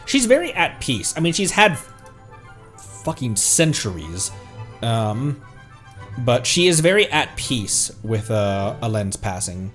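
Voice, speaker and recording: A male streamer offers casual live commentary on a game, reacting to its voice lines and musing in slang with some mild swearing. His mid-range voice is slow, sing-song, and fairly bright, with faint music behind him.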